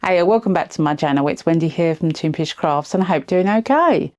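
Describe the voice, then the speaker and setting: A woman with a cold, sounding croaky, chatting her way through a craft tutorial voice-over with friendly little asides. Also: low voice, brisk, a little mellow, soft background music. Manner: chatty, self-deprecating asides. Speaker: resin craft video host.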